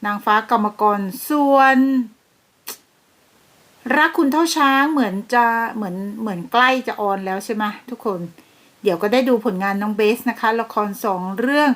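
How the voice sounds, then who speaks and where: A woman's voice: fairly high pitch, lively intonation, normal speed, fairly bright tone. A woman hosting a celebrity gossip channel, chatting and gushing with frequent exclamations. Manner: gushing, exclaims and laughs often.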